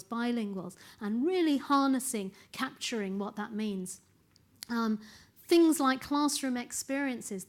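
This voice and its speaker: A woman's voice: fairly high pitch, darkish tone. A middle-aged woman researcher giving an earnest, emphatic conference talk in a lecture room, often repeating words as she thinks. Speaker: researcher presenting at a symposium. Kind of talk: conference presentation.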